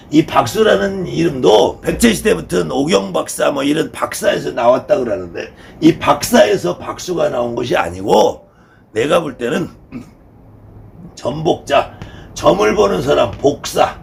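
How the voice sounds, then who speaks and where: Gravelly guy teaching a shaman class, kinda high voice, swoops around a lot, repeats stuff for emphasis. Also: a little hiss or hum. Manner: repeats key words for emphasis; blunt, conversational lecturing. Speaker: shamanism instructor. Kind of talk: informal lecture to students.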